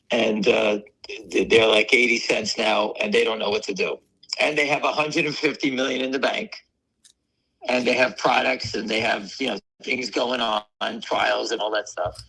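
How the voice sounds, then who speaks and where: A man whose voice is hoarse and gravelly after weeks of coughing. His tone is bright and tense, with a raspy edge. He talks in a loose, rambling, chatty way as a guest on a live stream. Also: mid-range voice, steady tone, normal speed, poor audio. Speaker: guest on a stock market stream. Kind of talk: casual chat.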